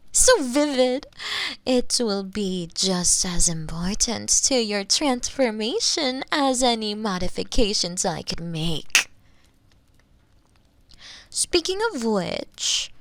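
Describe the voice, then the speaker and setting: A woman's voice: medium pitch, expressive, slow, fairly bright tone, no echo. A woman voicing a gloating, coldly sadistic female mad scientist in an ASMR roleplay, savoring her words close to a binaural microphone. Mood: gloating, delighted. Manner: theatrical, savoring, gloating, lapsing into whispers and giggles. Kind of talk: ASMR roleplay, theatrical monologue to the listener.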